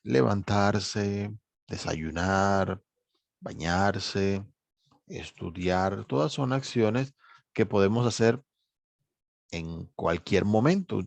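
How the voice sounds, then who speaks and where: Male teacher, gravelly voice, dry close sound, measured lecture. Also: on the low side, no room sound. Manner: measured, repeats reminders, many fillers like "obviamente". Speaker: English teacher. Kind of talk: online course lecture.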